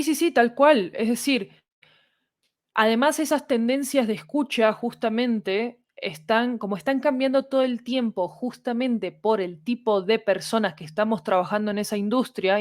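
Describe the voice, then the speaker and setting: A woman with a Latin American Spanish accent explaining her work in an interview, animated and often checking that the listener follows. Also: medium pitch, dry recording, clean studio sound. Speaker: podcast fiction producer, interviewed guest.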